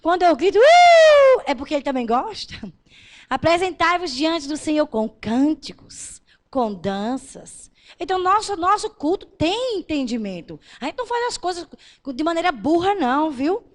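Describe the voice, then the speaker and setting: Addressing the congregation directly, a woman pastor preaches at a moderate pace in a high voice with big pitch swings. Her sermon alternates between loud, emphatic proclamations and quiet, intimate moments.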